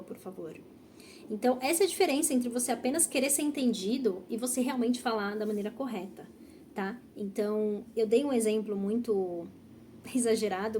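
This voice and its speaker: A woman's voice: on the high side, mellow, slight background noise. A Brazilian woman teaching Portuguese online, direct and encouraging, often checking in with "tá?". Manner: direct, encouraging, repeats key points with "tá?". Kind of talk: online language lesson.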